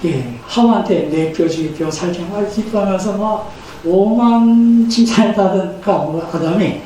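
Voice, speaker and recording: A high, mellow-toned man in his fifties preaches in a big, echoing church sanctuary. He sounds a little far from the microphone, with faint noise underneath. His delivery is earnest and builds to emphatic rises. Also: unhurried. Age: 50s. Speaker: pastor. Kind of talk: sermon. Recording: echoey church hall, mic at a distance, faint noise.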